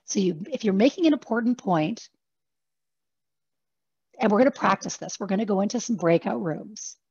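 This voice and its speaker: Fast-talking woman coaching over video call. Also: mid-range voice, husky, no echo, dull audio. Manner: fast-talking, animated, acts out examples. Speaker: executive coach. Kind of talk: online workshop talk.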